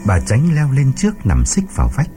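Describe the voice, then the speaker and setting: A man's voice: mid-range voice, huge pitch swings, normal speed. A man narrating a ghost story in a suspenseful, dramatic audiobook style, over background music.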